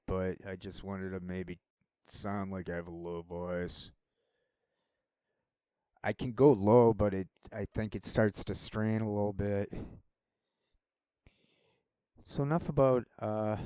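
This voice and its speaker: A man's voice: on the low side, warm tone, clean tone, no room sound. A man rambling through a casual solo monologue as a vlogger, wandering from thought to thought. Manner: rambling, meandering talk.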